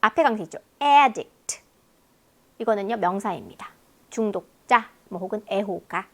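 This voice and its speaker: A woman teaching English listening in a lecture, explaining word pairs in a lively, talkative way. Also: medium pitch, a little fast.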